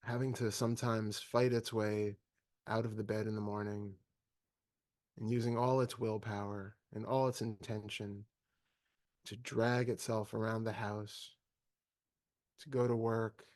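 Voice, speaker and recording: A man with a fairly low voice guides a meditation. He speaks calmly and deliberately, leaving long pauses between measured phrases. The sound is dry, with very little room around the voice. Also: no room sound. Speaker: meditation teacher.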